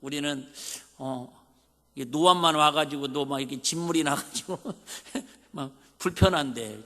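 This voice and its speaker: Bright-voiced Jeolla-accented pastor preaching. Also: male voice, mid-range voice. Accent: Jeolla Korean. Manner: folksy, conversational preaching with rhetorical questions. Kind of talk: sermon. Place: church sanctuary. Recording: reverberant church hall.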